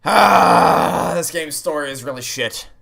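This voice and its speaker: A man's voice: mid-range voice, normal speed, pushed and bright. A man giving casual, chatty game commentary in a ranting, exasperated, sweary way. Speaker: gaming streamer playing through a game.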